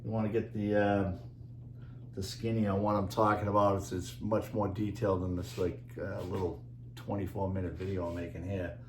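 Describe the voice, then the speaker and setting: A man with a Boston accent rambling through a casual monologue, halting often with fillers as he talks over slides. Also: low voice, flat delivery, darkish tone, roomy sound, a little hiss or hum. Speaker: video creator and author.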